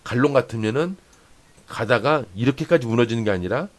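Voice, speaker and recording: A man hosting a stock trading channel walks day traders through a chart-analysis lesson in a medium-pitched, expressive, fairly quick voice. He points along the chart with many "here" and "this much," repeats phrases for emphasis, and often asks "right?"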